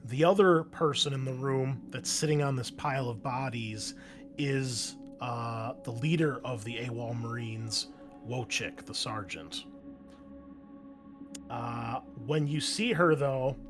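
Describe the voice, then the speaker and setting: Male game master, unhurried, halting improvised horror narration, medium pitch, background music. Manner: halting, descriptive.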